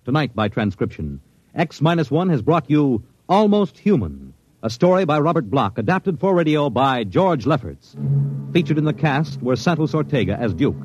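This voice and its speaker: A man announcing in a crisp, formal broadcast style at the close of a radio show. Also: fairly high pitch, big pitch swings, normal speed, darkish tone. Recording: dull old radio broadcast with music.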